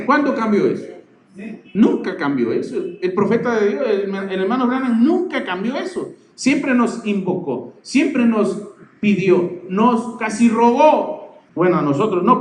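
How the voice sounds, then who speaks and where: Man, Peruvian accent, high voice, emphatic sermon, echoey hall, faint ambience. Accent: Peruvian Spanish. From Peru. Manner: emphatic preaching, repeating words and asking ¿ve?. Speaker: pastor. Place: church hall.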